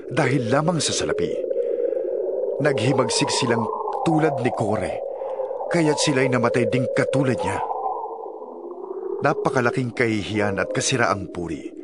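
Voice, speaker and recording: A man with a Filipino accent reads scripture as a dramatized narration, solemn and emphatic, in measured phrases. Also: medium pitch, expressive, very noisy. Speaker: audio Bible narrator. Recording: music under the voice. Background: music.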